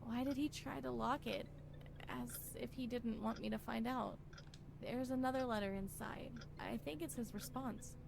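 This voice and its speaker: A woman's voice: on the high side, moderate pace, vocal fry, noisy background. A woman acting out a troubled, suspicious wife from a horror visual novel, with theatrical delivery. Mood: suspicious, anxious. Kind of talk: reading visual novel dialogue dramatically.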